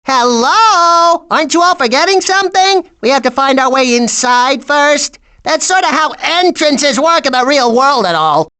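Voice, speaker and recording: A woman's voice: high-pitched, lively intonation, normal speed, hardly any pauses, bright, forceful tone. A woman voicing a brash, sarcastic, bossy blue jay in a video game. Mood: sassy. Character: brash, wisecracking, sardonic blue jay bird, bossy hustler. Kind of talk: video game character voice acting.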